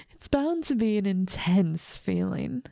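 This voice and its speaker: A cold, scheming evil witch, played by a woman in an ASMR roleplay, smug and condescending toward her captive. Her mid-pitched voice has a gravelly edge of vocal fry and often sinks into a soft whisper. It sits close and completely dry on the mic. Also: no echo, heavily acted. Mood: gleeful.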